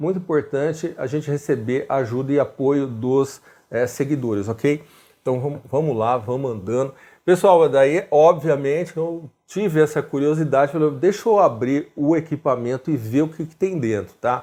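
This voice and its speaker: Against a quiet background, a man talks at a moderate pace. His pitch is fairly high, and his tone is dark and mellow. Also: ordinary pitch variation. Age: 50s. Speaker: electronics YouTuber. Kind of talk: tutorial. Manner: casual, halting with fillers.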